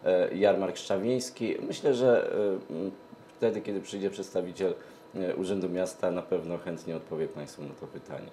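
A middle-aged man answers interview questions hesitantly, pausing often mid-sentence. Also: deep voice, mellow, a little hiss or hum. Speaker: event organizer, interview guest. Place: TV studio, seated at a glass desk. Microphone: lapel mic.

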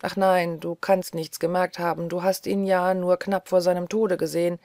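A woman reads a gentle, troubled man doctor, quiet brooding reasoning, dry close sound, gravelly tone. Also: on the low side, little pitch movement, normal speed, no room sound, natural voice.

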